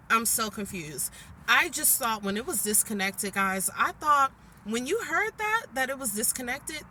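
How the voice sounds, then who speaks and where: Brief: forties woman vlogging from her car, ringing bright tone, chatty and fed-up. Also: on the high side, slight background noise. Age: 40s. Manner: chatty venting, keeps addressing viewers as "guys". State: annoyed. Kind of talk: casual vlog chat. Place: inside a parked car.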